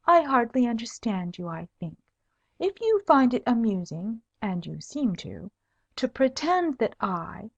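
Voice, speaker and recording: A woman's voice: a little high, big pitch swings, measured pace, voice pushed up, exaggerated voice. A woman voicing a sly, pert young noblewoman, a coaxing daughter in a humorous storybook tale. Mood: pert, haughty. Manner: girlish, coaxing, haughty when teased. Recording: dull lo-fi audiobook recording.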